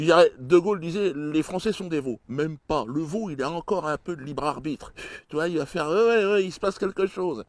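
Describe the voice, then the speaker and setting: Crude, mocking stand-up comedian, man. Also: no echo. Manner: crude, mocking, with sudden jumps in pitch and loudness.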